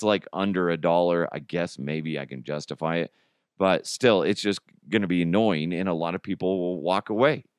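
A man's voice: on the low side, a bit bright, clean tone, no echo, clean studio sound. A man hosting a podcast with casual, jokey comedic commentary on the news. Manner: jokey, chuckles at own jokes. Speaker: podcast host.

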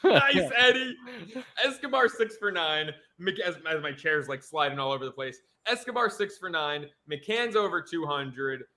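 New guy hosting a sports pod, bright punchy voice, kinda high, gets hyped. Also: normal speed, few pauses. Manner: excitable, energetic, jokey. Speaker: podcast co-host. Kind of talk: casual sports podcast chat.

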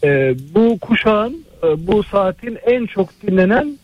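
A man's voice: high-pitched, very animated, unhurried, dull audio. A man calling in to a radio show over a landline phone, talking earnestly with many hesitant fillers. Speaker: radio call-in listener.

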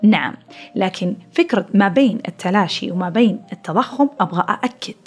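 A woman's voice: mid-range voice, animated, fast talker, breathy edge. A woman hosting a podcast, explaining ideas in a chatty way through everyday comparisons, often restarting her sentences. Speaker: podcast host. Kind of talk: casual explanatory talk.

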